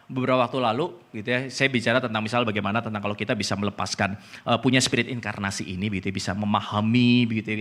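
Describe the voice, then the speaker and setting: A middle-aged man, preaching a casual sermon and telling a personal story in a chatty, joking way. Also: mid-range voice. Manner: chatty, animated, laughs at own story, slangy. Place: church.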